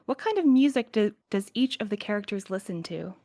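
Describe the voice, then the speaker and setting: A woman's voice: medium pitch, lively intonation, fairly quick, dark tone. Playful woman in casual podcast chat. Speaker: podcast cast member.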